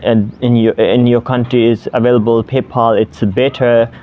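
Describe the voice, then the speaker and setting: A young man from Pakistan, native Sindhi speaker, chats to camera about tutoring online. His medium-pitched voice halts often on fillers and restarts. The audio sounds slightly dull and lo-fi. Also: flat delivery, moderate pace, a little hiss or hum. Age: 20s. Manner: hesitant, many fillers and restarts. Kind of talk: casual vlog to camera.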